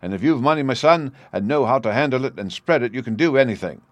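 A man voicing a tall, swaggering young male convict who boasts loudly and laughs at his own schemes. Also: medium pitch, animated, fast, no echo, lightly acted. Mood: boastful.

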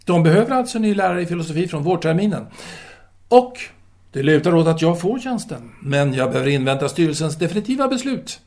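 Guy acting restless 1930s philosophy teacher, lively highish voice, very formal and polite, hums and hesitates, intimate radio drama. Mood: longing, reflective. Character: philosophy teacher in 1938, courteous, restless intellectual lover. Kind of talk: audio drama dialogue, intimate phone conversation.

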